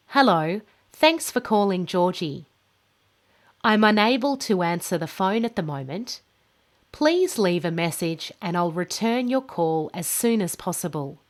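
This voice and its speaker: Woman, thirties, pronunciation teacher, slow pace, careful enunciation, marked stress, scripted lesson to camera. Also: medium pitch. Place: small indoor studio with plain backdrop.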